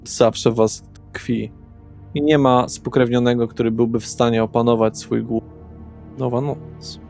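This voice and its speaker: A man's voice: mid-range voice, little pitch movement, a little slow, darkish tone. A man narrating a tabletop role-playing session as the game master. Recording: music playing behind the voice. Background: background music.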